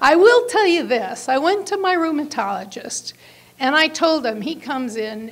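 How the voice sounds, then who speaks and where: A woman with an American accent speaks at a fairly slow pace with lively intonation. She has a plain, everyday voice. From Chicago area. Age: 60s. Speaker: patient. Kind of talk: testimony.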